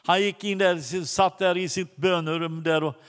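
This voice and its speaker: A man preaching a sermon, telling a story with many halting restarts. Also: high voice, steady tone, fairly bright tone. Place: church hall. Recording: long hall reverb.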